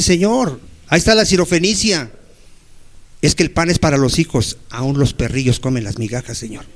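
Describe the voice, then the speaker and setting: A male pastor with a fairly high voice delivers a sermon in church. He keeps firing questions at his listeners, then drops low and slow to act out a humble plea to God. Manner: preaching with rapid rhetorical questions to the congregation; acts out pleading prayers, dropping low and slowing down.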